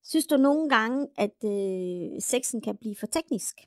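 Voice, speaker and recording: A woman's voice: a little high, expressive, no echo, clean studio sound. A woman chatting candidly about her experiences, with many fillers and restarts. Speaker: swinger sharing experiences. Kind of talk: candid casual chat.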